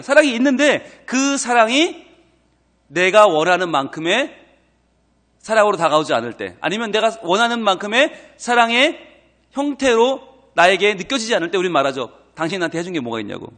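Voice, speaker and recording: Animated man preaching with a Busan accent. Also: high voice. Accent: Busan Gyeongsang Korean. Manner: animated preaching that acts out quarrelsome dialogue; asks the congregation rhetorical questions. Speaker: pastor. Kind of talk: early-morning prayer sermon.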